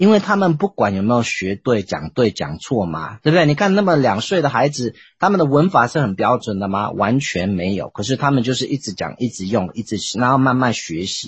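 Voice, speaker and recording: The speech moves at a fairly quick pace with hardly any pauses. It is somewhat breathy, with very wide pitch swings. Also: man, medium pitch for a man. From United States. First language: English (speaking Chinese). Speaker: English teacher and TV presenter. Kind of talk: interview.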